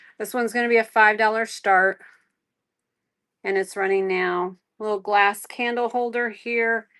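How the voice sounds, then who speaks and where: Over music in the background, a woman with a Missouri accent speaks at a fairly high pitch in a monotone, flat intonation. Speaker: online auction seller. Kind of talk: live auction stream. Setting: garage during a thunderstorm.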